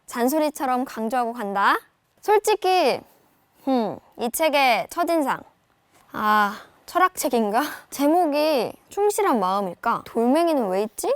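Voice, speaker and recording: A woman's voice: sits high, a little slow, no echo. A young woman reviewing a novel for viewers in a playful, casual tone, talking to them like friends. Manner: playful, lively, speaks in casual banmal to viewers. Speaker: book reviewer and reading tutor.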